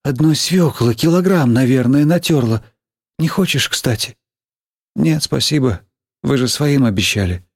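A man reading an audiobook, voicing a middle-aged woman schoolteacher who is excitable and quick to anger, in a raised, shrill, scolding voice. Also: breathy edge, no room sound, studio quality. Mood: pleading. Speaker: teacher.

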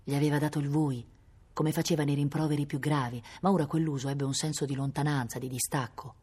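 A woman reads a novel aloud in a low voice. Her delivery is measured and steady, a literary reading recorded at a public library. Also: husky. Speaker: reader.

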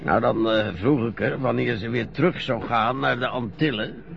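An actor playing a frail, grumbling old former sailor who talks hesitantly and teases. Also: male voice, medium pitch, moderate pace, a crowd in the background. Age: older. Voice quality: gravelly, hesitant, teasing. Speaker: elderly former sailor being bathed. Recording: dull lo-fi radio play recording.

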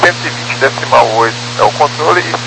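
A man's voice: a little high, fast, vocal fry. A male airline pilot talking over aviation radio, making clipped, routine calls to air traffic control.

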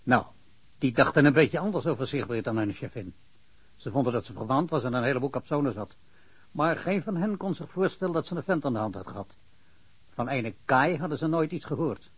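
An actor playing a practical, plain-spoken police investigator in a naturalistic radio drama. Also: male voice, mid-range voice, animated, brisk, husky, no room sound. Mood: matter-of-fact.

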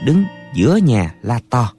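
A man narrating a martial arts novel as an audiobook in an expressive storytelling manner, close to the mic. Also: medium pitch, measured pace, husky, faint music behind.

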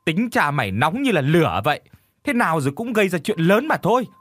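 A man's voice: a little high, big pitch swings, quick pace, fairly bright tone, no room sound, voice pushed up. A man voicing an anxious old peasant grandmother who questions and scolds her grandson. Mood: scolding alarm. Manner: worried, scolding.

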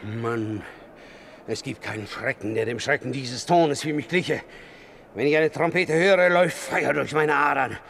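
An actor playing a fiery, tormented Christian warrior in a German radio play, declaiming with fervour and pride. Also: male voice, mid-range voice, a little slow, gravelly, fairly bright tone, soft background music. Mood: fervent, agitated. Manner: fervent, declamatory, proud.

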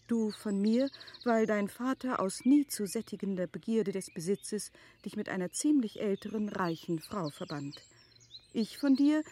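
An actress in a classic German radio play playing a prudent, gently firm middle-aged wife who speaks in measured, eloquent, formal phrases. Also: female voice, mid-range voice, slight background noise, close to an everyday voice. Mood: earnest, reflective.

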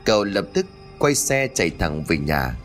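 A man narrating a spooky family story in an expressive, dramatic storytelling style. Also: sits low, moderate pace. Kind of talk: scripted narration. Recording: faint background music.

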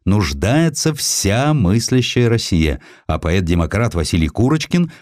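A man reading a literary history audiobook in an expressive, theatrical storytelling manner, acting out the dialogue as he goes. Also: on the low side, unhurried, dry recording, clean studio sound. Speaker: audiobook narrator. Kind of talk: expressive scripted literary narration.

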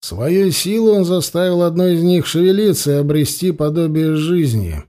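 A man voicing a tense male necromancer who clips his words and forces a cold calm. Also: fairly high pitch, moderate pace, lightly acted. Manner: clipped and cold, forcing calm.

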